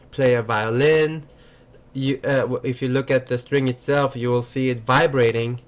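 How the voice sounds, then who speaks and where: A man giving a recorded lecture, halting and full of fillers and restarts. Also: mid-range voice, clean tone, dull audio.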